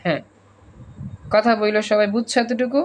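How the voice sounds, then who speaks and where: A man's voice: high voice, brisk, slight background noise. A male teacher, teaching an online class over a video call and drilling students with repeated questions and examples. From Bangladesh.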